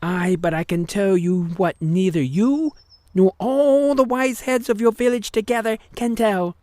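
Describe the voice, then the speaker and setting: A woman's voice: medium pitch, a little slow, dark tone, no echo, close to an everyday voice. A woman playing a mysterious gypsy fortune-teller in an old-style radio drama, speaking in a solemn, cryptic way. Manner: cryptic, solemn prophetic lilt.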